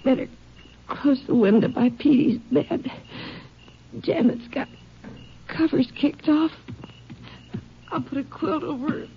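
High-voiced, ailing rancher's wife. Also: female voice, heavily acted. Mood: weak, worried. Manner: weak, halting, breathy distress. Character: sick, frightened rancher's wife and mother. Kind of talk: 1950s radio drama acting. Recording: muffled, noisy old radio recording.

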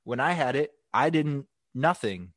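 Young man, podcast co-host, blunt, profane, animated, dry sound. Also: medium pitch, measured pace, no echo. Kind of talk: casual podcast chat.

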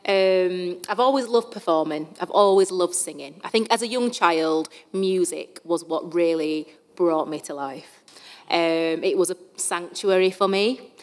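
A woman with a Bradford accent talks in a slightly lower register, with long reverb around her voice. She answers as an interview guest, open and reflective about herself. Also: measured pace, darkish tone. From Bradford, England. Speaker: guest artist, soul singer. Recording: echoey hall-like reverb.

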